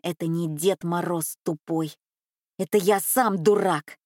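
A woman's voice: medium pitch, slow pace, dry recording, clean studio sound. Woman doing an eager, fretful little boy. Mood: sulky. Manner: stammering, pleading, excitable. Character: anxious eager young boy.

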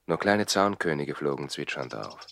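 Deep, gravelly, quiet storyteller. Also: male voice, lively intonation, a little hiss or hum, heavily acted. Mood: hushed wonder. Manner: quiet, unhurried recollection. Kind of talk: radio play storytelling, 1960s. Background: birdsong and chirping.

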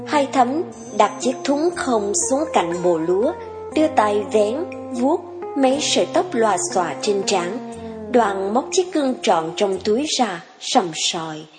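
A woman narrating a dramatic story reading, measured and smooth. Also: mid-range voice, expressive, music in the background. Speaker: story reader.

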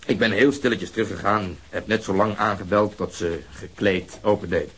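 An actor playing a detective who dryly reports on an interview, in a radio drama. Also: male voice, fairly low pitch, steady tone, normal speed, fairly bright tone, slight background noise, close to an everyday voice. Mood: wry. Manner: dry, ironic. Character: wry police detective reporting, middle-aged man.

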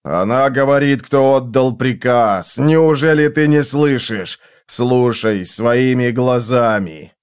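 A man voicing an eerie, tormented burning apparition in a story, hoarse and insistent, stretching out his words. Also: mid-range voice, close to an everyday voice. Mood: urgent, eerie. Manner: drawn-out, anguished, insistent exclamations.

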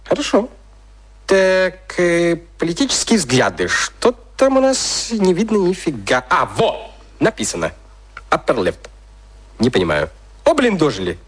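A man's voice: a little high, wildly swooping pitch, a little slow, slightly rough, exaggerated voice. A male actor in a radio drama playing a youngish, jovial and sly boss who talks bluntly and mockingly. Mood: grumbling.

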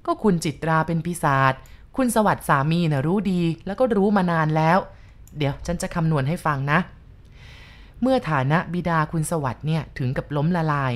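A woman's voice: low voice, expressive, a little fast. A woman reading the part of a stern older man who insistently lectures a younger man about a ghost. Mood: lecturing. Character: stern older male landlord explaining ghost lore.

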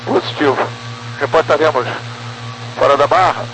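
A man's voice: fairly high pitch, moderate pace, music in the background. A man speaking as a pilot, giving clipped readbacks over aviation radio. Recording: noisy humming cockpit radio.

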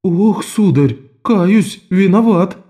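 A man voicing a young swindler posing as a polite law clerk, smooth and overly courteous. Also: high-pitched, expressive, slow pace, warm tone, pitched above the performer's own voice. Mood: apologetic.

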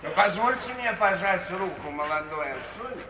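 Gruff gentleman, fairly high-voiced. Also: animated, normal speed. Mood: stiffly gallant. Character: gruff, bulldog-like gentleman of about fifty. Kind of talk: 1950s Soviet radio theatre acting. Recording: old noisy radio recording, echoey and distant.

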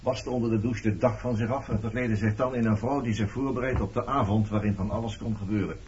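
A man acting in a radio play as an evasive, detached former lover, talking in a dry, offhand, probing and faintly mocking way with a husky, rough-edged voice. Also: fairly low pitch, fairly even intonation, fast, a little mellow, a little hiss or hum, lightly acted. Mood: musing, probing. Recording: dull lo-fi old radio recording.

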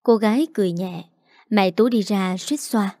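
A woman reading a dramatic story aloud, narrating in a steady scripted style and voicing every character herself. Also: mid-range voice, moderate pace, no echo, clean studio sound.

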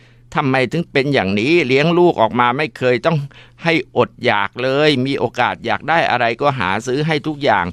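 A man's voice: medium pitch, animated, bright, forceful tone, dry recording, pitched above the performer's own voice, exaggerated voice. A shaking, bitter mother, as a man puts her on. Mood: pleading, tearful. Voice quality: trembling, bitter. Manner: slow scolding then pleading. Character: furious grief-stricken older mother.

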